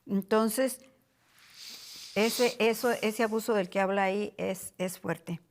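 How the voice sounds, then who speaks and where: Slow, deliberate woman teaching Scripture. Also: medium pitch, steady tone. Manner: slow, deliberate, repeats points for emphasis. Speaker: co-pastor teaching a Bible study. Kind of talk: Bible study teaching.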